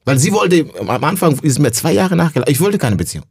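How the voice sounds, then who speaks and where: A young adult man from Burundi, a stand-up comedian, talking casually and emotionally as a podcast guest, slangy and full of halting restarts. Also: fairly high pitch, sing-song, creaky, a little mellow, breathy edge, no echo, clean studio sound. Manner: slangy, says "bro" often, halting restarts.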